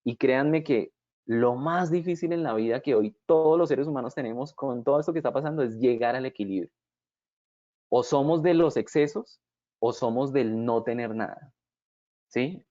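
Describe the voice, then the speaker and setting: A communication trainer delivers a didactic lecture in a warm, mid-range voice at normal speed. He explains and keeps checking in with rhetorical "¿sí?" and "¿cierto?", on a dull, dry lo-fi recording.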